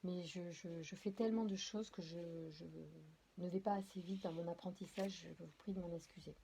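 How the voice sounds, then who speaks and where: A woman reads tarot cards aloud in a warm, mellow voice. She hesitates often, restarts her phrases and apologizes as she goes. Faint background noise and small clicks sit under the voice. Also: lowish voice, fairly even intonation, normal speed. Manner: addresses viewers directly. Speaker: tarot and oracle card reader. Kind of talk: casual spoken card reading.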